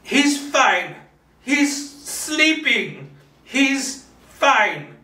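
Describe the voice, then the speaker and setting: A man voicing a lonely, anxious elderly widow in a screenplay table read, halting and insistent. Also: very high voice, very animated, sharp tone, pitched above the performer's own voice, full character voice. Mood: agitated denial. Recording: roomy, distant microphone.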